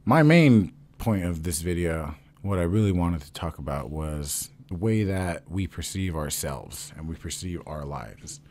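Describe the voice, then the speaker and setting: A man's voice: low-pitched, lively intonation, a little slow, few pauses, darkish tone. A man vlogging casually to camera, rambling and swearing freely.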